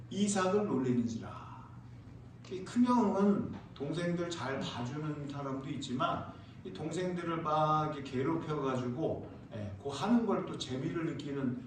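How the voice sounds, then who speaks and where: A man's voice: fairly high pitch, a little hiss or hum. Male pastor preaching in an echoey church. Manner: lively storytelling, asking the congregation questions. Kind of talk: sermon. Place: church sanctuary. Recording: echoey church hall, mic far off.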